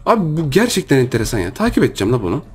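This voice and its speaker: A young man giving excited, playful commentary while playing a video game, often repeating words rapidly, with faint music behind. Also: mid-range voice. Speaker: gaming YouTuber.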